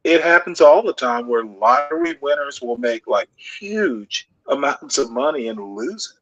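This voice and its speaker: A man's voice: medium pitch, expressive, unhurried, a bit bright, no room sound, dull audio. A man taking part in an online group discussion who speaks bluntly and combatively. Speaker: discussion participant.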